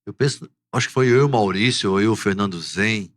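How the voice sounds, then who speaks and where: A man's voice: on the low side, normal speed. A man hosting an interview podcast, talking in a heartfelt, reflective way. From southern Brazil. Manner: heartfelt, reflective, often adds "né". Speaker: podcast host. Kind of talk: emotional interview chat.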